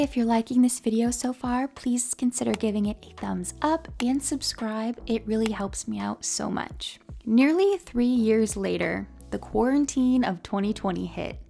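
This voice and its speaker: A young woman with a New York accent tells her story to camera in a calm, mellow way. Her voice sits a little high and has a gravelly fry running through it. Soft music plays faintly behind her. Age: 20s. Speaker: beauty vlogger.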